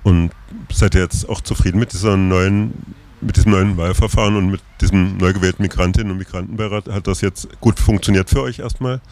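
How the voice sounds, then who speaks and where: A man hosting a community radio show, introducing a segment and interviewing a guest in a relaxed, loose way. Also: low-pitched, a little fast, few pauses.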